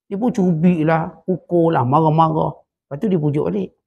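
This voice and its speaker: A man's voice: on the high side, normal speed, creaky, breathy edge, narrow, tinny audio. A man with a Malaysian Malay accent teaching a Sufi text, telling stories and acting out quotes with rising emphasis. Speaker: religious teacher. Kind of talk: Sufi study-circle lecture.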